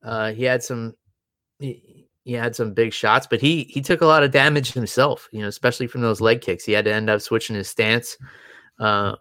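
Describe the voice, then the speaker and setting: A man's voice: medium pitch, fairly even intonation, normal speed, pushed and bright, clear, resonant tone, dry recording, studio quality. A man co-hosting a casual sports podcast, rambling with restarts and fillers. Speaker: podcast co-host. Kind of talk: casual chat.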